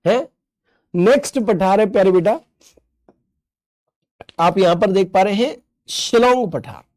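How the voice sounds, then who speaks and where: High-pitched man teaching an exam-prep class. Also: lively intonation, unhurried, darkish tone. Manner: playful, joking with students' comments; repetitive drilling of terms with quiz questions. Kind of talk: online exam-prep lesson.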